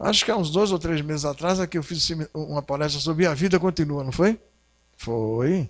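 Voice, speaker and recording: A man with a fairly high pitch, an animated tone and ordinary pitch variation. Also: moderate pace. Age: 60s. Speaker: spiritist lecturer. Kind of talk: religious lecture. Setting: spiritist center hall with audience.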